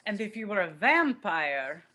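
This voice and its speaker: A woman's voice: medium pitch, big pitch swings, a little slow, sharp tone. A woman playing a blunt, boastful old soldier vampire, talking conversationally in a comedy table read. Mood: matter-of-fact. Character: blunt, boastful former Nazi vampire being interviewed.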